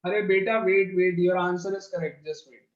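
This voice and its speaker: A man with a South Asian accent teaches maths in a high-pitched voice. He goes step by step and repeats phrases for his pupils. The sound is echoey and dull. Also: fairly even intonation, a little fast. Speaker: mathematics teacher. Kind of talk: online maths lesson, explaining step by step. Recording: dull, echoey lo-fi class audio.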